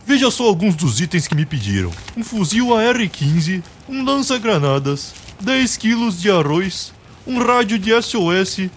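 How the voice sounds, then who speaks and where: A man's voice: high voice, big pitch swings, a little slow, a little hiss or hum. A man playing a grumpy, foul-mouthed old Santa Claus with theatrical bluster in a radio drama. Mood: grumbling. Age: older.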